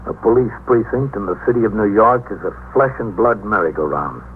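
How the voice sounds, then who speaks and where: An actor playing a male police captain who narrates his precinct's work in a 1950s radio drama, speaking in a measured, deliberate way. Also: lowish voice, lightly acted. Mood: calm. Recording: tinny lo-fi 1950s radio broadcast with faint hiss.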